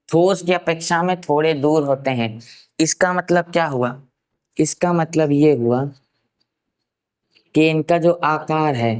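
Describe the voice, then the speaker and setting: A man from Uttar Pradesh giving a science lesson, asking rhetorical questions and answering them himself, and slowly repeating key terms for note-taking. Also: on the high side, darkish tone, smooth. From Uttar Pradesh, India. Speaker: science teacher. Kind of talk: classroom science lecture.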